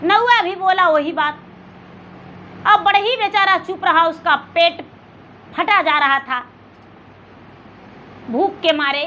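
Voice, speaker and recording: With a Bihari accent and an extremely high, bright voice, a woman tells a religious folk story with acted dialogue to a devotional gathering. She takes her time, speaks in a homely village manner and repeats phrases for emphasis. The audio is dull and lo-fi, with faint background noise.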